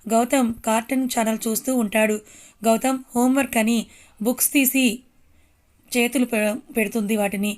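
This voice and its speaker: A woman narrating a family story in a plain, even reading voice. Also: on the high side, normal speed.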